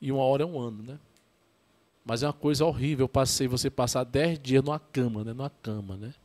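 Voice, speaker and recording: A man with a northeastern Brazilian accent from Ceará, a Catholic priest telling his story in a casual podcast interview, halting and repetitive, often tagging sentences with a question. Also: medium pitch, darkish tone.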